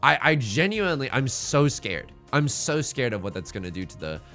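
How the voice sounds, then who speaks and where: A young man streaming from home, tired but still quick with a joke, his voice bright and lively as it jumps around his range. He swears freely and banters with chat. Faint game music plays underneath. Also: mid-range voice. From born in China, raised in the United States. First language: Mandarin Chinese. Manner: quick, joking and profane, talking to chat. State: exhausted. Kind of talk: casual livestream commentary while playing a game.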